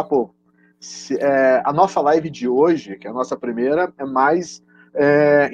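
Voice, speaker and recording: A man's voice: fairly high pitch, a little mellow. A Brazilian man hosting a casual educational live stream, speaking hesitantly and often restarting his words. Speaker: host and teacher. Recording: dull, lo-fi online stream audio.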